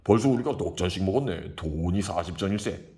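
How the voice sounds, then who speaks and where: A man's voice: low voice, animated, fairly quick, dark tone. A man voicing a puzzled, cautious middle-aged drinking buddy who speaks in a mild, reasoning tone. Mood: worried.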